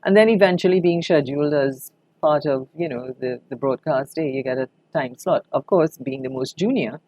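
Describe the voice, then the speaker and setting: An older woman with a Trinidadian accent, a veteran broadcaster, reminisces in an interview, telling anecdotes expressively and conversationally. Her voice sits low and warm at normal speed, and the recording is rough but without echo.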